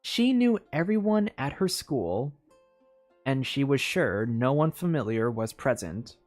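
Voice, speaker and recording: Expressive game streamer reading over music. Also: mid-range voice, unhurried. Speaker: game streamer reading in-game story books aloud. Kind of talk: storybook read-aloud with casual asides.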